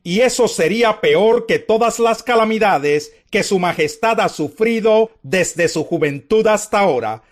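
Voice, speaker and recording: A man's voice: high voice, animated, unhurried, hardly any pauses. A man reading a stern, reproachful general. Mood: rebuking. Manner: reproachful, insistent. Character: stern army general rebuking his king.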